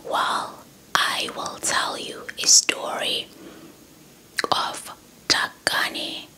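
A young woman telling a story in a breathy ASMR whisper close to the mic, deliberate and softly repeating words. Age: young adult. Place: indoors in front of a dark cloth backdrop. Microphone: handheld small mic with fluffy windscreen, held close.

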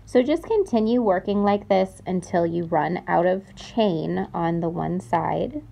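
A young woman with a fairly low, creaky, mellow voice leads a craft tutorial a little slowly but with lively intonation. She carefully explains every step and repeats key words for emphasis.

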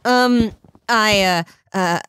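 A woman's voice: medium pitch, drawn-out words, a bit bright, clear, resonant tone, no echo. A woman playing an eager, easily flustered young medical assistant in an audio drama, polite and a little awkward.

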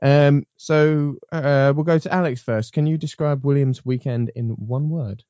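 A man's voice: fairly high pitch, fairly even intonation, measured pace, dark tone, dry recording, highs cut off. A man hosting a casual motorsport panel chat, rambling with frequent ums and restarts. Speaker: podcast host.

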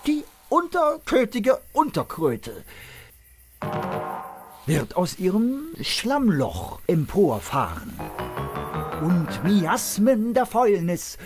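A man's voice: sits high, huge pitch swings, takes it slowly, pauses often, over music, pitched above the performer's own voice, full character voice. Man as a swooping, theatrical nobleman adventurer. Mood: ominous, grandiose. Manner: flowery, melodramatic. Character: wily, theatrical nobleman adventurer, bluffing grandly. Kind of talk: comic swashbuckler radio play acting.

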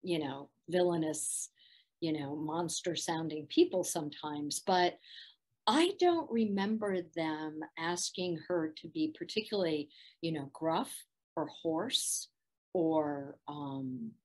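A middle-aged woman with a soft, soothing voice, chatting as a guest in a video-call interview from a room at home, laughing often. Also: deep voice, animated, slow pace. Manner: warm, laughs often, thoughtful. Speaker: voice actress guest.

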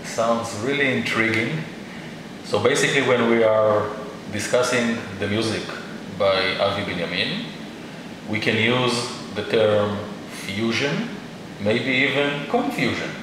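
A man asking interview questions in a slow, measured, polite way. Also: on the low side. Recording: echoey room, distant mic, noisy.

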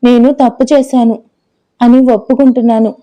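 A woman's voice: on the high side, little pitch movement, normal speed, warm tone, lightly acted, rough recording. Woman voicing a timid young wife, pleading. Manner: pleading, apologetic.

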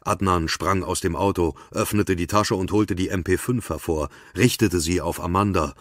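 A man's voice: sits low, normal speed, no echo, clean studio sound. A man narrating a thriller audiobook in terse, tense scripted prose.

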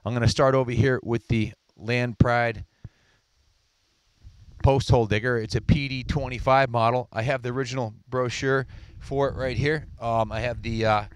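A man's voice: mid-range voice, steady tone, normal speed, clean tone, no room sound. Rambling man on a handheld mic outdoors. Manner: rambling, many fillers and restarts. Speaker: seller presenting equipment. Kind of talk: casual walkaround sales pitch. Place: outdoors on a lawn.

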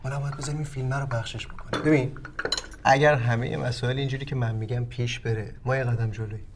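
A man's voice: medium pitch, fairly even intonation, background noise, close to an everyday voice. An actor playing a man in a film drama who lays out a plan with confident, persuasive instructions. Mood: instructive. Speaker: man advising on a legal plan. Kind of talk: Iranian film drama acting.

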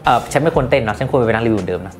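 A woman with a low voice talks through a gadget review in a chatty, playful way. Her pitch swings widely as she goes, and she drops teasing asides to her viewers. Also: lively intonation, rapid-fire, loud music behind the voice. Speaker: tech product reviewer. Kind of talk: casual product review.

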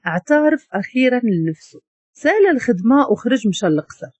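A woman with a Moroccan accent narrates a story in a lively voice that rises and falls. Her tone is mellow and husky, a little high-pitched. The recording is dry and slightly dull. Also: fast talker, dry recording.

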